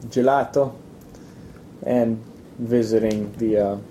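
A young man from Italy chatting casually in an interview, relaxed and halting, with lots of fillers and restarts. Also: on the low side, slight background noise. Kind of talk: casual chat.

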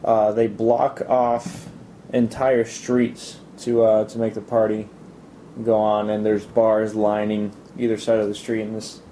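A young man answering interview questions in a casual, halting way, with many fillers and restarts. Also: lowish voice, completely flat delivery, warm tone, slight background noise.

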